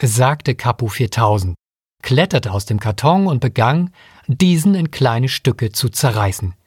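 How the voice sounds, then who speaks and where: A man narrates a story evenly at a middle pitch, recorded close on the mic. The sound is dry, with no room. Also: expressive, a little slow, husky, dry recording. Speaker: audiobook reader. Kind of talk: scripted narration.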